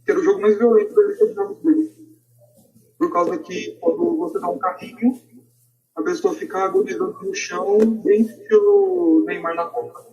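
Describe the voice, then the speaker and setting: A man with a Brazilian accent speaks in a podcast discussion. His mellow, slightly higher-pitched voice comes through muffled and away from the microphone. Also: sing-song, moderate pace, vocal fry, recorded from a distance.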